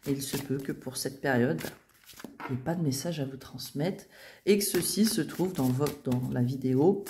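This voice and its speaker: Low-voiced woman reading tarot. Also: normal speed, dark tone, slight background noise. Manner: chatty, with many fillers and restarts. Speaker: tarot reader. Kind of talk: casual tarot reading video.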